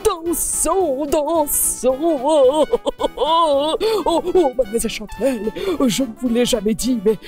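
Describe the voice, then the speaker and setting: A woman's voice: high voice, takes it slowly, hardly any pauses, dark tone, faint music behind. A woman voicing a cheerful, smitten male mushroom, exclaiming with delight.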